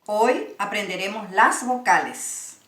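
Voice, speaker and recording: A woman with a Paraguayan Spanish accent, giving a slow, patient language lesson and spelling out sounds one by one. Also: mid-range voice, fairly bright tone, echoey room, distant mic. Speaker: language teacher.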